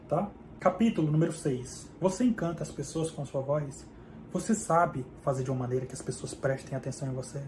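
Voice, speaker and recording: Man, Brazilian Portuguese accent, casual book summary host, fairly high voice, faint hum behind. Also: dark tone. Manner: conversational, keeps checking in with "tá?" and "certo?". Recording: echoey room with faint background hum.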